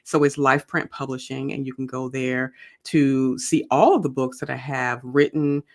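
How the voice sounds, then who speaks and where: A woman's voice: rumbling low, steady tone, moderate pace, darkish tone. Chatty woman author as podcast guest. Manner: conversational, many ums and restarts. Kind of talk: casual interview chat.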